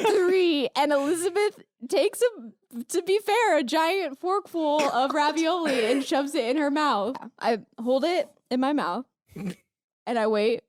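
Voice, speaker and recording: A woman's voice: sits high, no echo, studio quality. A woman improvising casual first-person narration as a player in a tabletop role-playing game.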